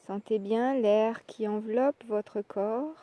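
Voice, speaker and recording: A woman leading a guided yoga relaxation, speaking calmly and in measured short phrases with pauses. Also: a little high, dry recording. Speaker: yoga nidra relaxation instructor. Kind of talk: guided meditation, soft instructional narration.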